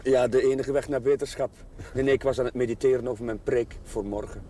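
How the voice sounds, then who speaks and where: A man's voice: medium pitch, fairly even intonation, fast talker, mellow, natural voice. A man in his thirties playing an earnest, doubting young Catholic chaplain, hesitant and musing. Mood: polite, hesitant. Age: 30s. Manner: hesitant, musing, searching for words. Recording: television drama with faint hiss.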